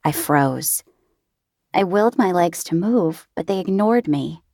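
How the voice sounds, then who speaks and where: A woman reading a first-person audiobook in a measured, even way, recorded on a close studio mic in a booth. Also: on the low side, no room sound. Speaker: audiobook narrator.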